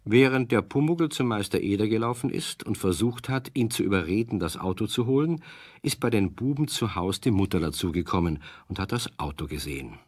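A man's voice: fairly low pitch, expressive, brisk, no room sound, clean studio sound. A man acting as the storyteller of a children's radio play, narrating a scripted tale. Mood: storytelling.

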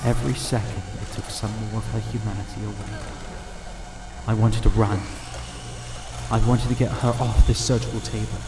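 An actor playing a haunted, grieving but determined survivor on a space station, narrating a first-person audio drama. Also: male voice, fairly low pitch, level tone, normal speed, lightly acted. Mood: haunted, fearful. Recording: echoey, loud music behind the voice.

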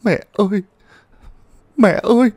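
A man's voice: takes it slowly, a little mellow, husky, dry recording, exaggerated voice. A man shrieking as a wailing ghost boy. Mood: anguished wailing. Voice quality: shrill anguished wailing. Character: dead boy's ghost, wailing, falling apart.

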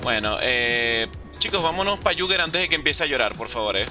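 A young man doing animated gameplay commentary, talking straight to his viewers. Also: medium pitch, a little fast. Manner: animated, excitable, talks to viewers. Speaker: gaming YouTuber. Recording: game music behind voice.

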